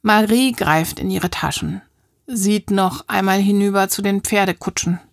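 A woman narrating a children's audiobook with a lively, expressive reading. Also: medium pitch, a little slow, gravelly, no echo, clean studio sound. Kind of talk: scripted storybook narration.

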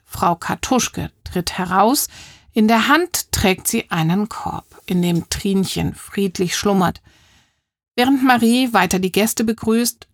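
A woman narrating a children's audiobook with a lively, expressive reading. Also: mid-range voice, gravelly, no room sound, studio quality. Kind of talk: scripted storybook narration.

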